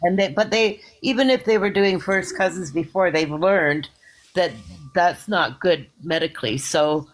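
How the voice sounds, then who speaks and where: A man's voice: high-pitched, measured pace, poor audio. A man in casual chat, rambling through explanations with frequent restarts and hedges.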